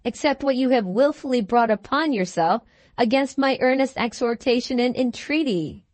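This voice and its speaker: A woman's voice: a little high, moderate pace, darkish tone, dry recording, close to an everyday voice. A woman voicing an earnest young wife and mother who speaks in a pleading, reproachful way in an audiobook.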